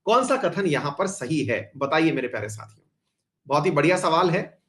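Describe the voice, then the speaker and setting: Man, history teacher, high voice, chatty, quizzes students, side remarks, English terms mixed in. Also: expressive, normal speed, fairly bright tone. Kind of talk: online exam-prep class.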